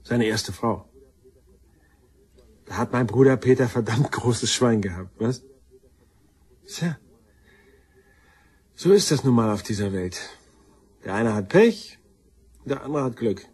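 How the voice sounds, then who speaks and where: A shiftless black-sheep brother in a crime audio drama. His medium-pitched voice is rough around the edges. He talks in loose slang and puts himself down as he confesses to police. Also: lively intonation, takes it slowly, pauses often, darkish tone. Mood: bitter. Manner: colloquial, slangy, self-deprecating. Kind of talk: German crime radio drama acting.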